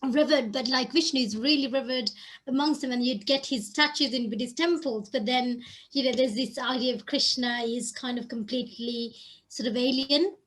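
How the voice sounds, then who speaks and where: A woman's voice: high-pitched, normal speed, a bit bright, low-quality recording. A woman from Sri Lanka chatting in a class discussion, using many fillers like "like" and "kind of". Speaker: class participant. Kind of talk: casual sharing in discussion.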